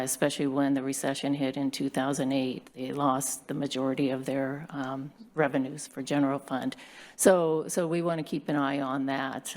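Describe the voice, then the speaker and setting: A woman presenting budget figures at a city council meeting, hoarse and losing her voice, explaining in a plain way with many fillers. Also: low voice, darkish tone. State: hoarse from bronchitis.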